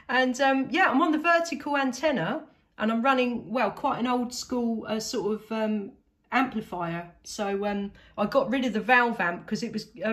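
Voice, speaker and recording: A woman chatting casually and enthusiastically as a CB radio operator. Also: fairly high pitch. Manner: enthusiastic, effusive. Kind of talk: casual radio contact chat. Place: indoors at a home radio set.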